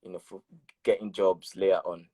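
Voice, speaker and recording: A man in his twenties, a PhD student, talking in a relaxed conversation and deliberately stressing his key words. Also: deep voice, no echo. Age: 20s. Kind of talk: casual conversation.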